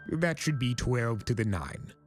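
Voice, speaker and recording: A man's voice: medium pitch, very animated, measured pace, soft background music, voice pushed up. A man voicing a cranky, centuries-old male creature of chaos in an exasperated, melodramatic way for a story reading. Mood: stubborn. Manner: exasperated, melodramatic, swooping emphasis.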